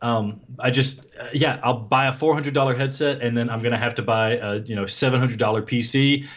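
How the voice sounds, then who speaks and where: Man, deep voice, from South Dakota, podcast guest, thoughtful, self-deprecating. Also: fairly even intonation, a little fast, fairly bright tone, lo-fi sound. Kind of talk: casual chat.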